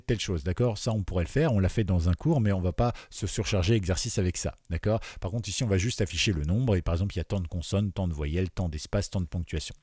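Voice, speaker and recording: A man teaching beginners to code, explaining each step and often checking in with his listeners, with many fillers and dropping quieter while he types. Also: fairly low pitch, no room sound, clean studio sound. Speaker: programming teacher. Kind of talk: screen-recorded coding tutorial. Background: keyboard typing.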